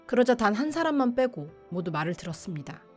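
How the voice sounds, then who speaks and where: A woman speaking at a moderate pace, with music in the background. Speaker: book YouTuber. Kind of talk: book plot summary narration, audiobook-style.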